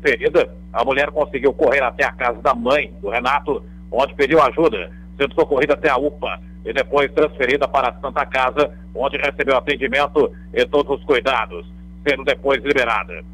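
A man's voice: medium pitch, a little fast, fairly bright tone, breathy edge, rough recording. A middle-aged man from Brazil reading a radio police bulletin as a crime reporter, in a conversational way with fillers and tag questions. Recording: radio broadcast audio.

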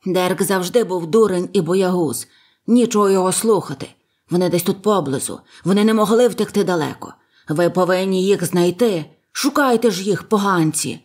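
A woman voicing a blind old male pirate beggar, furious and barking harsh commands in a breathy voice, in a storybook reading. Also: fairly low pitch, moderate pace, a little mellow, natural voice. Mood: scornful.

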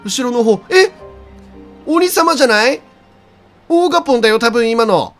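Lively high-voiced man commentating a game. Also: moderate pace. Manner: chatty, laughs often, talks to viewers. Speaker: let's play streamer. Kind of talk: game commentary, reading in-game dialogue aloud. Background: faint game music.

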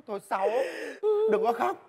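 A woman's voice: a little high, sing-song, moderate pace, creaky, a little mellow. A woman playing a generous but sarcastic neighbor in a stage comedy sketch. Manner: scolding and sarcastic. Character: generous, sharp-tongued female neighbor.

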